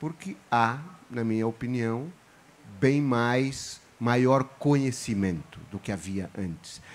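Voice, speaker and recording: The voice moves at a very slow pace yet carries lively intonation. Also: man. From Portugal. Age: 50s. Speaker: writer and newspaper columnist. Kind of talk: talk at a literary festival. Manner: hesitant, with many fillers and restarts.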